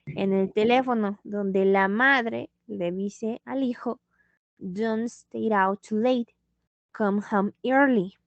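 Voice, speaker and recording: Slow-talking woman English teacher. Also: mid-range voice, steady tone, dry recording, dull audio. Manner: slow, patient, switching into Spanish to explain. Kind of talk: online English lesson.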